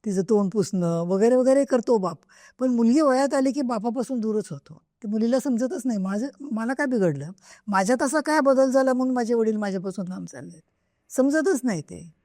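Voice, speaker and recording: This guest author is a middle-aged woman with a fairly high, warm voice and a brisk delivery. Answering interview questions into a podcast mic, she stays earnest and emphatic, frequently restating her points, in a dry, studio-quality recording.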